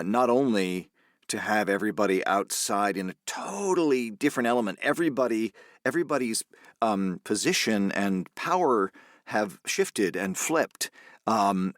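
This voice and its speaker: A man, an actor guest on a podcast, talking things through thoughtfully and haltingly. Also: on the low side, lively intonation, no room sound, studio quality. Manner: thoughtful, halting, many fillers and restarts. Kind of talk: casual interview chat.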